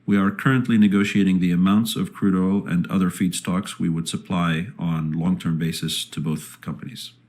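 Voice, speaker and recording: A man speaking as a company executive, reading a scripted earnings presentation in a formal, measured manner. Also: low voice, fairly even intonation, darkish tone.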